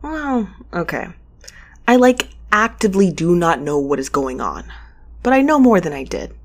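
Space courier lead, played by a woman: lowish, slightly rough voice, wry, frazzled, conversational audio-drama storytelling. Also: big pitch swings, moderate pace. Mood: wry narrating. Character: frazzled, wry, stubborn young space courier, narrating their own story. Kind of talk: audio drama acting and first-person narration.

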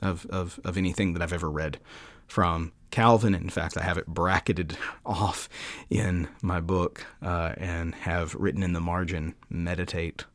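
Male podcast host, lower register, earnest conversational explainer, close dry sound. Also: level tone, unhurried, no room sound. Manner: earnest, often checks with "right?". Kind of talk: conversational explanatory talk on theology.

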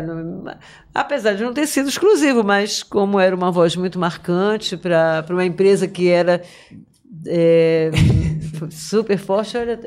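A woman voice-over artist, telling lively stories and laughing often in a studio podcast chat. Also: mid-range voice.

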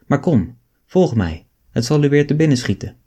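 A man's voice: mid-range voice, sing-song, normal speed, warm tone, husky, voice pushed up. A man reading an audiobook, voicing an affectionate female talking monkey in a coaxing, tender way.

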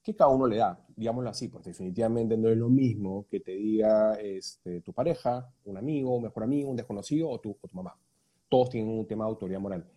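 Co-host guy, husky and warm, talks things through thoughtfully. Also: fairly low pitch, fast talker. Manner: reflective, explaining with examples, frequent tag questions. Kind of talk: casual conversation on emotions.

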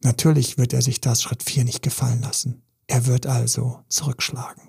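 A man's voice: medium pitch, level tone, moderate pace, creaky, a little mellow, husky. A man, a relationship coach giving an emphatic, intense podcast monologue full of repetition.

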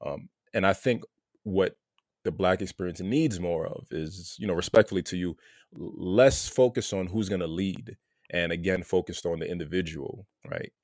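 A Haitian American man talking through his thoughts in a relaxed conversation, often repeating words as he searches for them. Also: sits low, normal speed, no room sound, clean studio sound. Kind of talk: casual conversation.

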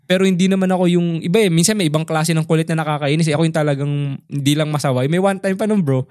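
A young man co-hosting a podcast, telling lively stories from his childhood, acting out quoted lines and swearing casually. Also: fairly high pitch, rapid-fire, no room sound, studio quality. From Philippines. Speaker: podcast co-host. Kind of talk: casual chat.

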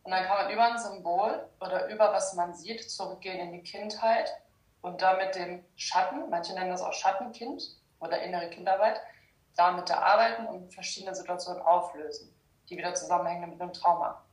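A woman's voice: lowish voice, a little fast. A young adult woman from Germany, a guest explaining her practice in a casual interview, hesitant, with many fillers. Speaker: guest, shadow work practitioner. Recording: roomy, distant sound.

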